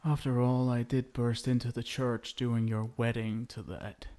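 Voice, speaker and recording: A man playing a possessive, lovestruck vampire husband in an intimate ASMR roleplay, crooning softly with tender pet names and a gravelly edge. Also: mid-range voice, level tone, moderate pace, lightly acted. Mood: smug, tender. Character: possessive, lovestruck yandere vampire husband, menacing yet doting.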